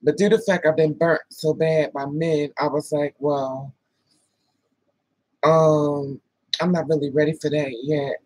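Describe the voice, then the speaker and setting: Husky woman telling a story. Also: sits low, unhurried, dry recording, poor audio. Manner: animated, profane, laughing asides. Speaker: vlogger telling a dating story. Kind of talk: casual storytelling with quoted dialogue.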